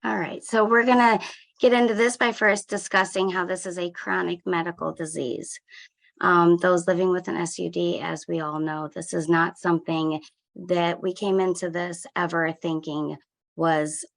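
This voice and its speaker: A woman peer recovery coach presenting on a webinar over a video call. Her voice sits low and has a lot of gravelly fry, and she talks conversationally, with loose phrasing and frequent fillers. The sound comes through a computer microphone. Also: level tone, moderate pace. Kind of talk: presentation talk.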